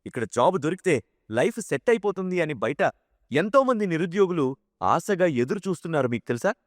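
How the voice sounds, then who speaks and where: An indignant young new employee, scolding others with righteous anger in a slightly raised voice. The delivery is clear, close and dry. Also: male voice, on the high side, sing-song, brisk, no room sound, voice pushed up. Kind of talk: audio drama acting.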